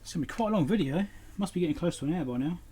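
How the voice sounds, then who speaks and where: A man's voice: fairly high pitch, lively intonation, racing, mellow, slight background noise. A man giving casual, unscripted commentary while he works on electronics, muttering to himself in short, broken phrases. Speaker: electronics repair hobbyist and video host.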